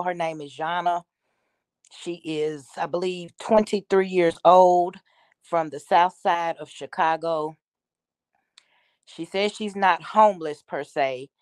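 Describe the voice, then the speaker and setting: A woman's voice: on the low side, a little mellow, no echo, clean studio sound. A woman giving casual, opinionated commentary, talking directly to her online viewers in a conversational way. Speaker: YouTube commentator, host.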